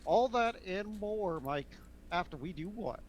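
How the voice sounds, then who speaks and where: A man co-hosting a casual sports podcast, relaxed and halting, with lots of fillers. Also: sits high, slight background noise. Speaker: podcast co-host.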